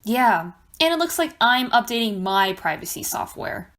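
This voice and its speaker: A woman's voice: a little high, sing-song, moderate pace, fairly bright tone. A woman playing a jaded, sarcastic debate co-host in a staged political satire, with a dismissive way of talking. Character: jaded, sarcastic female debate co-host and apathetic non-voter.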